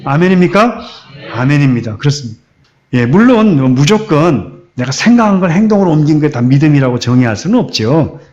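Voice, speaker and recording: A man's voice: a little high, a little fast. A man preaching a sermon as pastor, asking rhetorical questions and acting out the story. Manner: animated, acts out the story in quoted voices, asks rhetorical questions. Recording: dull lo-fi recording.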